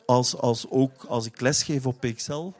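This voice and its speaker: A man's voice: mid-range voice, steady tone, moderate pace, a little mellow. A man with a Flemish accent chatting casually about music, often repeating words as he searches for phrasing. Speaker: interview guest, teacher.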